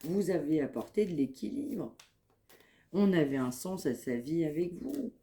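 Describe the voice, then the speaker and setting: A woman with a head cold giving a spoken psychic reading to her viewers, in calm, measured, repetitive phrasing. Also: deep voice. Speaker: medium giving a card reading.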